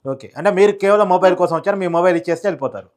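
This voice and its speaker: A man hosting a live phone interview, putting rapid questions to his guests. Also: sits high. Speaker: news host interviewing by phone.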